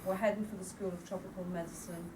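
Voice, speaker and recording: A woman with a lowish voice reads a draft script aloud, matter-of-fact as she gives lines and cues. She sits away from the mic, with clear room noise. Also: level tone, fast talker. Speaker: writing workshop participant reading out a script. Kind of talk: informal read-through of a draft radio drama. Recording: distant mic in a noisy room.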